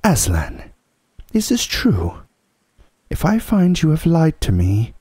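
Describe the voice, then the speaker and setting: A man's voice: on the high side, wildly swooping pitch, slow pace, warm tone, slightly rough, dry recording, clean studio sound, pitched above the performer's own voice, full character voice. A man voicing a cruel, imperious witch queen in a storybook, commanding and threatening. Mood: alarmed anger. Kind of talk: storybook character voice.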